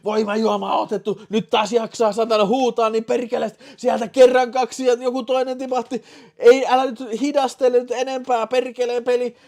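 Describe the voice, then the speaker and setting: A man hosting a livestream, constantly swearing and shouting excitedly, his voice giving out. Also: very high voice, creaky. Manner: tired, winding down. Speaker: livestream host. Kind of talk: livestream chat.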